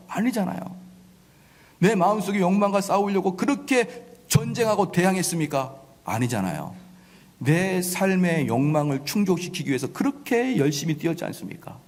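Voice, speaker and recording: A man's voice: high-pitched, a little mellow, long reverb tail. A man preaching a sermon as a pastor, emphatic, often voicing the complaints of his listeners. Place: church sanctuary.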